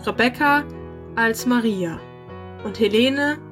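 A woman's voice: fairly high pitch, slow pace. A woman announcer reading scripted closing credits for an audio drama. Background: music with piano.

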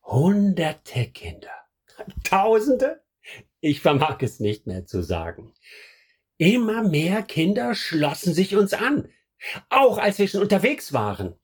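A haunted crusade survivor in a radio drama, slow and husky. The delivery is halting and reflective, with dramatic swings in pitch. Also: huge pitch swings, full character voice. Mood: haunted recollection. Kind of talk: dramatic radio play monologue.

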